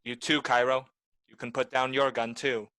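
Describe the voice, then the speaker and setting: A man playing a hard-boiled private detective in a noir radio play, terse, wry and deadpan. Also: mid-range voice, moderate pace, smooth, no echo, natural voice. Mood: tough, defiant.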